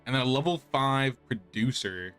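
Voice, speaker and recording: A man's voice: mid-range voice, expressive, normal speed, a bit bright, smooth. A man giving casual, rambling gameplay commentary as a streamer, thinking aloud as he goes. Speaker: game streamer. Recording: game music behind. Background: game music.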